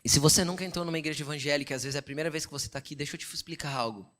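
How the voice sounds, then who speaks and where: A man's voice: on the high side, racing, fairly bright tone. Man with a Brazilian accent preaching conversationally. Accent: Brazilian Portuguese. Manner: conversational preaching with frequent "entendeu?" check-ins; storytelling, quoting God and his wife in dialogue. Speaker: pastor. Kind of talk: sermon.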